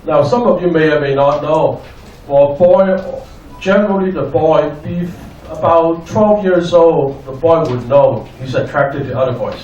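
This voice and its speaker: An older man giving a lecture in short, deliberate, simply worded phrases. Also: fairly high pitch, a little mellow, highs cut off. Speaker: guest lecturer, clinical psychologist. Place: echoey indoor venue. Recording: echoey, distant, noisy room.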